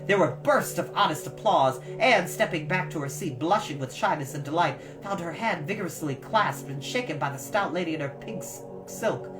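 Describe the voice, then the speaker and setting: A woman reading a story aloud with expressive, emphatic, dramatic delivery, as a storytime host. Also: lowish voice, normal speed, hardly any pauses. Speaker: storytime reader. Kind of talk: expressive story narration with encouraging asides. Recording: slightly distant mic, music behind.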